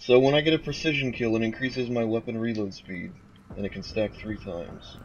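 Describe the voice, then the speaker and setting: Noticeable background noise sits behind a man talking at a fairly quick pace. His medium-pitched voice shows ordinary pitch variation and big swings in loudness. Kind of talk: casual let's play game commentary.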